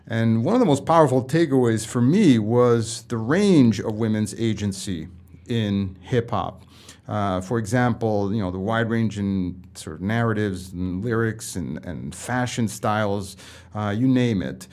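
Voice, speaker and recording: Measured male podcast host. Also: on the low side, darkish tone. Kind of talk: scripted introduction and interview questions.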